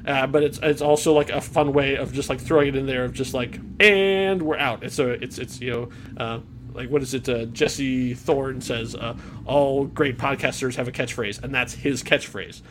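A man co-hosts a podcast from his own remote mic, chatting casually and rambling with lots of restarts and fillers. His mid-range voice is a bit bright, with a little hiss or hum.

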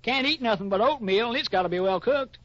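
An actor playing a folksy, eager, slightly scheming cowhand with a homespun drawl in a 1950s radio western. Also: male voice, very high voice, animated, fast, a bit bright, no room sound. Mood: folksy, sly. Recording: muffled old radio recording.

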